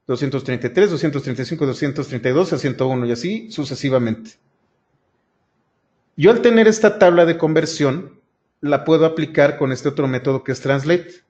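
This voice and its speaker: A male programming teacher, talking his class through a coding example one step at a time. His voice sits somewhat high, and the recording is muffled and lo-fi. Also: a little fast, a little mellow. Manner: explains step by step, addresses students directly. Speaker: programming instructor. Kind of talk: screen-recorded coding lesson. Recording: dull lo-fi sound.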